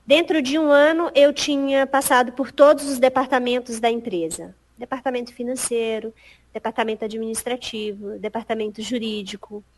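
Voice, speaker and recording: Guest: high-voiced middle-aged Piauí-accented woman, lively storyteller who mimics the people she quotes. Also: moderate pace. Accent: Piauí Brazilian Portuguese. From Piauí, Brazil. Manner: animated, acts out quoted dialogue, laughs often. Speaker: podcast guest. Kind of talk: casual storytelling interview.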